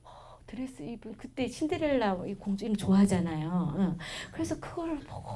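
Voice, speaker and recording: A middle-aged woman with a regional Korean accent giving a parenting lecture, telling stories in a chatty way that swings between loud bursts and soft asides. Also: mid-range voice, sing-song, normal speed. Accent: Korean regional dialect.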